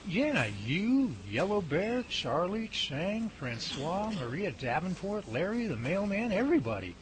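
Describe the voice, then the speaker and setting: A man's voice: high-pitched, sing-song, measured pace. A man playing a groggy, wisecracking guy. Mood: uneasy. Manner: wisecracking and grumbling. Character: groggy, self-mocking young man after a nightmare. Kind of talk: hobby radio drama acting. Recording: noisy home recording.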